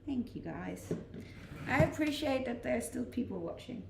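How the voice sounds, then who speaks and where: A creaky, slightly high voice belongs to a Danish woman in her twenties chatting casually on a live stream at a moderate, animated pace. She reads comments, laughs often and restarts sentences, heard far off-mic with roomy echo and faint noise.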